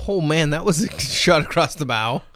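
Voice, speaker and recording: A man's voice: fairly high pitch, animated, moderate pace, fairly bright tone, dry recording. A man hosting a show with casual, wry, colloquial commentary. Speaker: show host.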